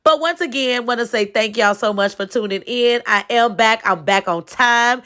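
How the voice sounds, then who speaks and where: A woman's voice: fairly high pitch, moderate pace, sharp tone. A woman hosting her own podcast, talking casually to listeners with a stuffy nose. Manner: chatty, folksy, addresses listeners as y'all, frequent "okay?". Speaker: podcast host. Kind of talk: casual solo podcast talk.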